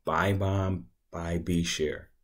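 Man, very deep voice, slow relaxed delivery, casual tutorial narration. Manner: laid-back, conversational, thinking aloud. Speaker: crypto tutorial creator. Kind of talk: casual screen-recorded tutorial.

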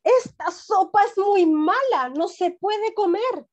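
Woman putting on a fussy little girl, high childish voice, storybook reading, dull lo-fi video call sound. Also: lively intonation, slow, a little hiss or hum, exaggerated voice. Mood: complaining. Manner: whiny, then delighted. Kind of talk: storybook read-aloud.

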